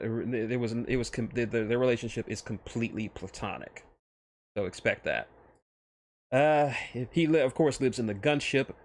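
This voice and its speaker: A man with a mid-range voice streams casual commentary about fictional characters he created, halting and restarting his phrases often as he explains.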